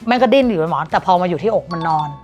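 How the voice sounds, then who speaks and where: A woman's voice: on the low side, animated, racing, muffled recording, over music. A woman guest in casual chat, telling personal stories in a blunt, crude way.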